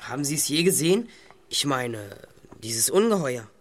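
An actor playing an earnest, measured teenage boy detective in a German radio play. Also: medium pitch, very animated. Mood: curious, confident.

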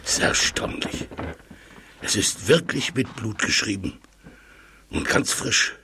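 An actor playing a learned male professor in an audio drama, explaining things deliberately with scholarly admiration and a husky voice. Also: lowish voice, bright, forceful tone, exaggerated voice. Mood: fascinated, scholarly. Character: astonished, admiring elderly male language professor. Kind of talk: German audio drama acting.

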